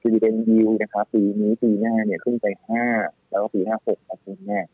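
A man giving casual, animated stock-market talk as a guest analyst, with many restarts and fillers. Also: lowish voice, a little fast, creaky, breathy edge, no echo. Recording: tinny phone-line audio, faint music.

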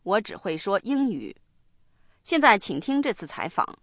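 A woman hosting a radio language lesson, explaining slowly and spelling words out one letter at a time. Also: mid-range voice, big pitch swings. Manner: slow, deliberate explaining and spelling. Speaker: language program host. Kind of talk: bilingual lesson narration.

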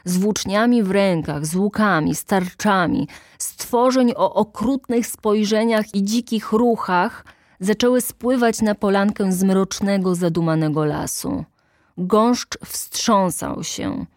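A woman narrates a literary audiobook at an unhurried pace, placing dramatic pauses. Her voice sits mid-range and sounds dry and close to the microphone. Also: mid-range voice, darkish tone, no echo. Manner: measured, deliberate, dramatic pauses.

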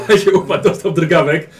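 A man's voice: mid-range voice, a little mellow. A man running a tabletop role-playing game, coaching a player's character in a patient, instructive manner. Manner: patient, instructive, drill-like repetition. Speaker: game master. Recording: distant mic with background noise.

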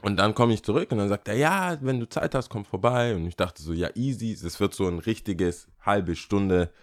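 A young man co-hosting a podcast, telling a story in casual chat and acting out the quotes with lively jumps in his voice. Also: fairly low pitch, moderate pace. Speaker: podcast co-host.

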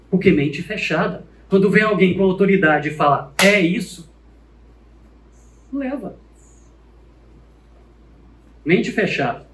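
A man teaching a lesson in a church classroom, animated and asking the class questions. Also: high voice, roomy sound, rough recording.

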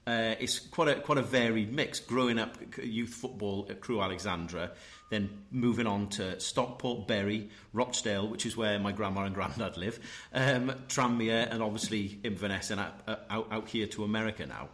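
Low-voiced male podcast host. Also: moderate pace, a bit bright. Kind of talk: podcast intro and interview questions.

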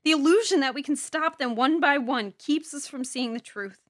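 A woman's voice: high-pitched, moderate pace, no room sound, clean studio sound, lightly acted. A woman playing a jaded, wounded and bitterly blunt young woman in an audio drama, with a sardonic way of talking. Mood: bitter, defeated.

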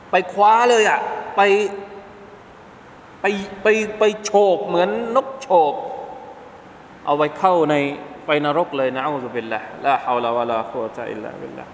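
Male mosque teacher, higher-pitched voice, animated talk broken by slow chanted verses, reverberant hall. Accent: Southern Thai. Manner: lively, self-correcting, chanting Arabic verses slowly. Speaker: Islamic teacher. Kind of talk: mosque lesson with Quran recitation. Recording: echoey hall with faint hiss.

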